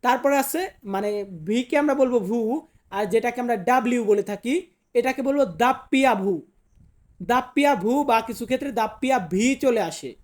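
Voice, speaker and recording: A man's voice: very high-pitched, moderate pace. A man teaching a language lesson, repeating each word and asking then answering his own questions. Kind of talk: Italian alphabet lesson in Bengali.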